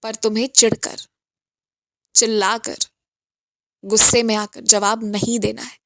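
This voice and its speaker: A gentle, coaxing spiritual master counsels a devotee in a devotional message, voiced by a woman in her own fairly high voice. The delivery is instructive and patient. The recording is dry and close, with no room sound. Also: little pitch movement, unhurried, no room sound. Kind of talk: devotional message read in first person as the master.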